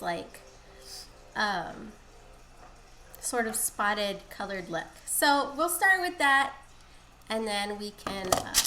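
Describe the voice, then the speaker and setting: Fairly high in pitch, pushed and bright, this craft streamer's voice is also nasal and congested from a cold. She rambles chattily while explaining a dyeing technique on a casual home live stream, recorded in an echoey room with faint background hiss.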